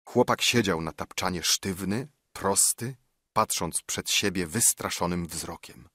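A man reading a classic novella as an audiobook in measured, expressive narration on a close mic. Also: low voice, no echo. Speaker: audiobook reader.

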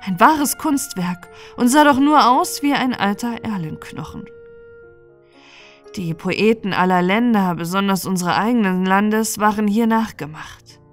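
A woman reading a fairy tale as narrator, in an expressive scripted storytelling style. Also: medium pitch, unhurried. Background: soft music.

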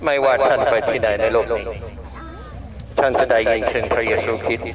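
A man's voice: mid-range voice, fairly even intonation, a little fast, echoey room, crowd noise, rough recording. A man preaching to passersby in an outdoor night market, earnest and repetitive, recorded on a body-worn camera. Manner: repetitive, earnest, polite sentence endings. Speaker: street evangelist.

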